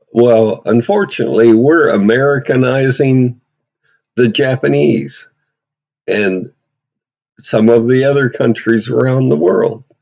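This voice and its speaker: A man with a Texan accent speaks at medium pitch with lively intonation and very even loudness. He leaves long, frequent pauses. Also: fairly slow pace. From Texas. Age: 60s. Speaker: fasting vlogger. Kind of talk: vlog monologue.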